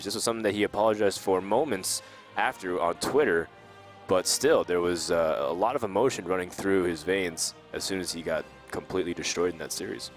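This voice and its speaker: A man with a low voice hosts the desk of a card game tournament and keeps the talk moving. His sound is dry and close, with soft music behind him. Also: no echo. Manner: lively, leads the desk and hands off questions. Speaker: esports caster. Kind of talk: esports desk commentary.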